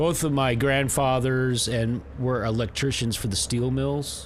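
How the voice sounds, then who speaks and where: Audible room echo surrounds a voice with an American accent at a fairly slow pace. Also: man. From northern Indiana and Texas. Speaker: game streamer. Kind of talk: casual chat while gaming. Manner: rambling conversational.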